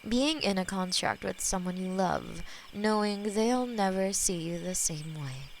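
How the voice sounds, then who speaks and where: A possessive demon mistress. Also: female voice, medium pitch, gravelly, a little hiss or hum. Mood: tender. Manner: slow, intimate, possessive, softly spoken. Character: possessive centuries-old female demon mistress. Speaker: voice actor in audio roleplay. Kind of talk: scripted audio roleplay.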